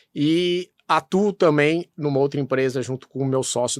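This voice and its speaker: A man with a southern Brazilian accent speaks at a fairly slow pace with a fairly high pitch and ordinary pitch variation, in a very clean, dry, close recording with no echo and a silent background. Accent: gaúcho. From Brazil, São Paulo. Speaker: marketing professor and speaker. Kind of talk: interview.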